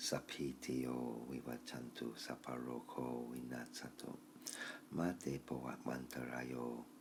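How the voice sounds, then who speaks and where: A man speaks with a very deep, low pitch in a flat, monotone delivery. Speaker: Buddhist teacher. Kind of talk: tutorial. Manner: hesitant, with fillers.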